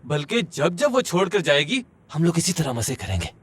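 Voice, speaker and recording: A man's voice: on the high side, huge pitch swings, normal speed. A man dubbing a young father who fusses over his crying baby, coaxing it and pleading down the phone for help. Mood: coaxing, fretful. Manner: coaxing and fretful, turning to exasperated pleading. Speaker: voice actor in a dubbed series. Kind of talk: dubbed TV drama acting. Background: background music.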